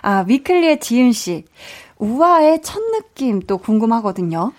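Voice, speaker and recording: A woman's voice: fairly high pitch, very animated, a little slow. A woman hosting a talk show and interviewing guests, bubbly, reacting with short interjections. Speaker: radio show host.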